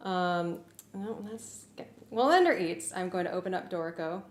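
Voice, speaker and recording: Woman, lowish voice, livestream host, casual chat, halting and informal, echoey room. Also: lively intonation. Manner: informal, halting, thinking aloud. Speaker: livestream host and music arranger. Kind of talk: casual livestream chat, explaining work progress. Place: warm indoor room. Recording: roomy echo, clear background noise.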